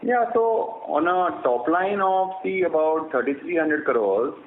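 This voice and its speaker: A man with an Indian accent answering as a company executive on an earnings call, formal and measured, with hesitant phrasing. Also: fairly high pitch, expressive. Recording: roomy, band-limited phone line with noise.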